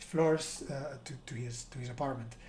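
A man talks with a Spanish accent. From Spain, Alicante; Spain. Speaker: mathematician. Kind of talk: live-streamed reminiscence. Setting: livestream with chat. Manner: halting. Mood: warm, reflective. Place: home room.

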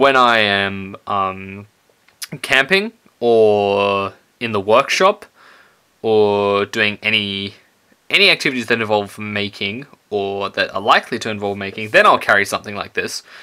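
Against a quiet background, a man with an Australian accent speaks at a fairly slow pace in a fairly low voice with a bright, sharp tone and monotone, flat intonation. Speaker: YouTuber, 3D printing hobbyist. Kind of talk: casual unscripted monologue. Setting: home, late at night. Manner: hesitant, many fillers. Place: home room.

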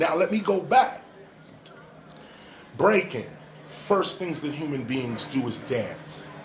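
Light background noise and audible room echo surround a man speaking at a very slow pace. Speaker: interviewee. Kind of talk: interview answer. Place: office. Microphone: phone near.

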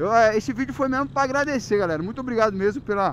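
There is light background noise. A man speaks, and the sound is dry with no echo. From Brazil. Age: 20s. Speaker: motorcycle vlogger and riding instructor; motorcycle vlogger, riding instructor. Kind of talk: casual vlog. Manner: animated. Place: motorbike.

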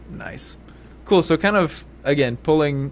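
There is light background noise as a man talks with fairly even intonation. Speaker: podcast host, company executive; podcast host. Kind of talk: casual interview. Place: home room. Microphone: studio mic.

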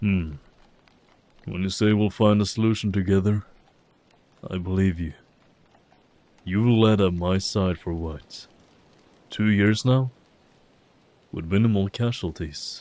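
Speaking at a fairly slow pace with long, frequent pauses, a man uses a warm tone, a fairly low pitch and fairly even intonation. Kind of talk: boyfriend ASMR roleplay, soft-spoken. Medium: audio drama. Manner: warm, teasing, protective.

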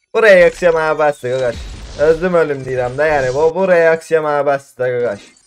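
A man with an Azerbaijani accent at a fairly quick pace. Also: fairly high pitch for a man, ordinary pitch variation. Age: 20s. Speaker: gaming youtuber. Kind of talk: gameplay commentary. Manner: animated. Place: home room. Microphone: headset.

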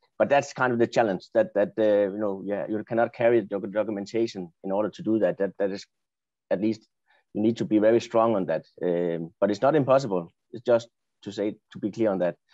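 A man with a Danish accent speaks fairly quickly in a fairly low pitch, his tone dark and mellow with ordinary pitch variation. The sound is dry with no echo, over a quiet background. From Denmark. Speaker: wood research institute vice director; presenter. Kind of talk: webinar presentation. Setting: video call. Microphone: video call.

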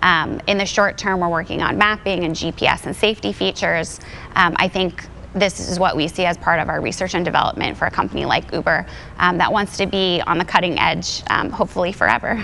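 Against light background noise, a woman with a fairly low pitch talks at a fairly quick pace with ordinary pitch variation. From Pittsburgh, Pennsylvania. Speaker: company regional manager. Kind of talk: TV interview. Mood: upbeat, friendly. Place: studio. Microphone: lapel.

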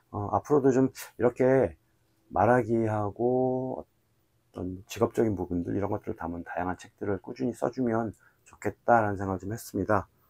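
Against a quiet background, a man speaks at a moderate pace in a fairly low, dark, mellow voice with ordinary pitch variation. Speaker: book reviewer and lecturer; book reviewer, lecturer. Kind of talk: casual book review monologue. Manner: hesitant, many fillers. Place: home room. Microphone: lapel.

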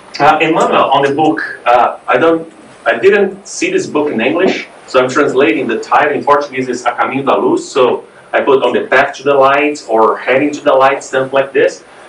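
A man talks at a moderate pace. His pitch varies in an ordinary way, and audible room echo can be heard. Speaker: presenter. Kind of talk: lecture. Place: meeting room. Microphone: camera far.

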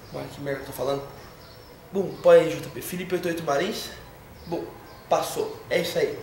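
A man with a high pitch speaks amid audible room echo and light background noise. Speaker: fitness youtuber and personal trainer; fitness vlogger. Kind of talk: casual Q&A vlog. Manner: animated. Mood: joking, self-mocking. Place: home room. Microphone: webcam.

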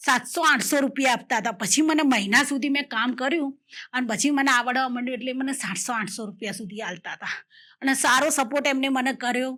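Raised and projected, a woman's high voice comes across with a bright, sharp tone. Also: ordinary pitch variation. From Gujarat, Mehsana. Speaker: YouTube comedy actress. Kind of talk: life story testimony.

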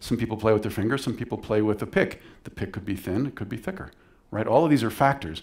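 Over a quiet background, a man talks at a very fast pace with ordinary pitch variation. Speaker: guest. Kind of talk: lecture. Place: stage.

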